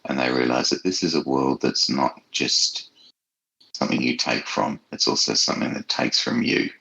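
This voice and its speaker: Man, extremely low pitch, gravelly fry, interviewed author, reflective, halting, explanatory delivery. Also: lively intonation, bright, forceful tone, poor audio.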